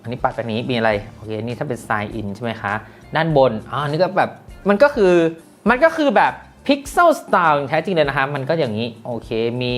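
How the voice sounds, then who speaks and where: A young woman chatting excitedly through a casual gadget unboxing review, full of exclamations. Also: low voice. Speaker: tech reviewer.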